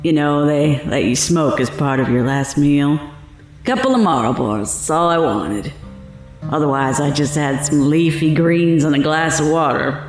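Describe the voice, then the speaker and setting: An actor playing a self-assured, menacingly coy female killer on death row in an audio horror drama, with a taunting, unhurried way of talking. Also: deep voice. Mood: savoring, casual. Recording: echoey room with music behind.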